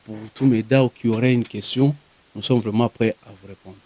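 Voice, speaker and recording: Male spokesperson, Congolese French accent. Mid-pitched, soft-edged voice, formal press statement style with deliberate, wordy phrasing. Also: fairly even intonation. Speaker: spokesperson for a community organisation.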